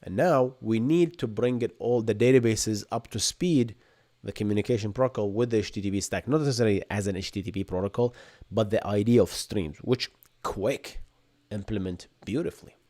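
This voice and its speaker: A man in his thirties from Bahrain with an Arabic accent, hosting a live-streamed tech Q&A from a home room and explaining things in energetic bursts, often tagging on "right?". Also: lowish voice, a little fast. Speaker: podcast host. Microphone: desk microphone in front.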